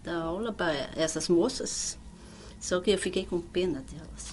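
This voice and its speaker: Low-voiced older woman reminiscing. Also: slight background noise. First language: not Portuguese. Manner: reminiscing, halting with restarts. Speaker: music teacher interviewee. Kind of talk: oral history interview.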